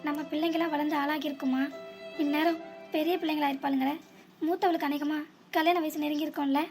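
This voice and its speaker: A woman speaks a slow, longing inner monologue to someone far away. Her voice is high, and soft music plays faintly beneath her. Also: steady tone.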